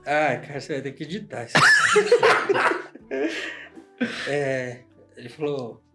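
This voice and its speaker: A man's voice: medium pitch, wildly swooping pitch, slow, pushed and bright, husky, faint music behind. A man, a guest on a podcast, telling a personal story in casual chat, emotional and quoting himself often. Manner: emotional storyteller who peppers speech with "cara" and acts out dialogue.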